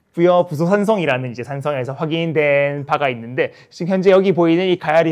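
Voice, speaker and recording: Over a quiet background, a man talks at a very fast pace. His fairly high pitch carries lively intonation. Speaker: archaeologist leading excavation team. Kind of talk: lecture. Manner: frequent filler words.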